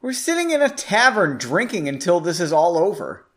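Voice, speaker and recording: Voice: mid-range voice, sing-song, normal speed, voice pushed up, natural voice. A reader voicing a glib, teasing young male mage in a fantasy story read aloud.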